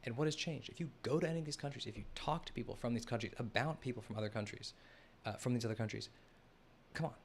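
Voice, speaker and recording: A man's voice: mid-range voice, fast, slight background noise. A man hosting a live stream, talking loosely over a map, often restarting his sentences and speaking to the chat. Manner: rambling, self-correcting, addresses the chat. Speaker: host of a live analysis stream.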